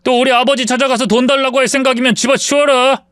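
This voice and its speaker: Sneering arrogant husband, as a man plays him, insulting tone, fairly high voice. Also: little pitch movement, quick pace, fairly bright tone, clean tone, no echo, clean studio sound. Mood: contemptuous. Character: arrogant, contemptuous husband in his prime.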